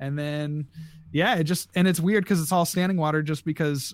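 A man's fairly high pitch at a moderate pace with ordinary pitch variation, on a very clean recording with a silent background. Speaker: card game podcast co-host. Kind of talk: casual chat.

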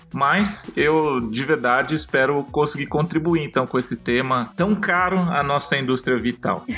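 A man speaks at a fairly high pitch and a moderate pace, with hardly any pauses. His bright, sharp tone has very even loudness and ordinary pitch variation. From Bauru, interior of São Paulo state, Brazil. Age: 30s. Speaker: former games journalist. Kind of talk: interview.

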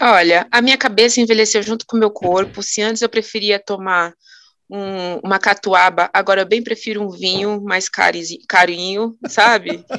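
In a very clean recording with a silent background, a woman speaks at a moderate pace. Her tone is bright and sharp, with ordinary pitch variation. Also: medium pitch for a woman. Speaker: podcast co-host. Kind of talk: casual chat.

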